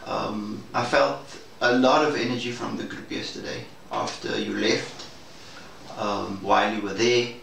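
A man speaking in a measured, hesitant and formal way in a reflective debrief conversation. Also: lowish voice, expressive, gravelly, a bit bright. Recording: roomy, distant mic, faint noise.

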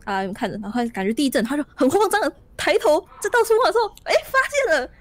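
A woman streamer narrating a story in a tabletop storytelling game, animated and laughing often. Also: sits high, fast.

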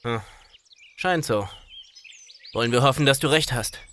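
A man playing a protective, gallant companion in an audio drama, calm and reassuring. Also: medium pitch, measured pace, a little hiss or hum, natural voice. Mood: genial. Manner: reassuring, gently teasing.

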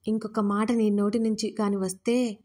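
Give me a woman playing an exasperated young man, mock-stern, in a dark, even voice. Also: medium pitch, normal speed, natural voice.

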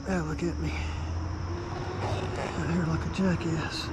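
A man talking casually to viewers as he fishes a creek outdoors, excited and chatty. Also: fairly high pitch, slow, heavy background noise. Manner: excited, talks to viewers while fishing. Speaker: fishing vlogger.

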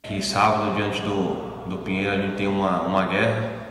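A man, a football player, speaking haltingly with many fillers in a post-training interview. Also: low voice, little pitch movement, a bit bright. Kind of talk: interview soundbite. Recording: echoey hall with noise.

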